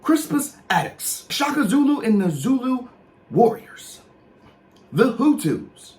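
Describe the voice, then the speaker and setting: A man's voice: extremely high pitch, sing-song, slow, a little mellow. A man in his thirties speaking African American English, explaining slang and reading out a list in an emphatic, mock-official comedic way with casual asides. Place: small room with posters, indoors.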